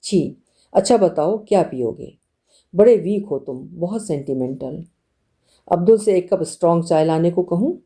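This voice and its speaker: A woman's voice: lowish voice, lively intonation, normal speed. Woman doing a doting society lady. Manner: warm doting reassurance. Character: affectionate, fussing married society lady.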